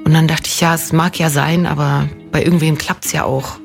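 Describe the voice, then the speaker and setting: A woman's voice: low-pitched, fairly even intonation, brisk, vocal fry, faint music behind. A woman in her forties from Munich, an actress chatting as a radio guest, reflective and self-deprecating, wandering through her thoughts with plenty of fillers. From Munich, Germany. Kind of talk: casual conversational interview.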